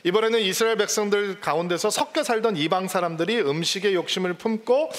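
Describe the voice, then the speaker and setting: A pastor with a high-pitched voice preaches in an easy, conversational way and keeps questioning his congregation. His words carry a long reverb from the church sanctuary around him. The sermon moves along in a plain, talking tone. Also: fast.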